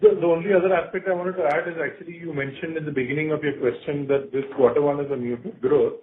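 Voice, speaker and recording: A man's voice: a little high, fairly even intonation, fast talker. An Indian man, a company finance executive, giving unscripted clarifications to investors on an earnings call with some emphasis. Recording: thin, noisy conference phone line.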